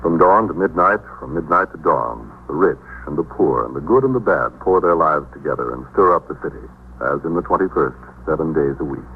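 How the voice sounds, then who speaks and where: A man giving a slow, solemn, declamatory prologue for a 1950s radio drama. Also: very deep voice, animated, pitched below the performer's own voice. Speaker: narrator. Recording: tinny old radio recording with hum.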